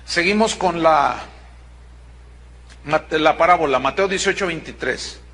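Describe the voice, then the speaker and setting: A pastor in middle age delivers a sermon in a high, forceful voice. He leans on his points with emphasis and keeps asking his listeners whether they follow him. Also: unhurried. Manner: emphatic, with rhetorical check-ins to the congregation.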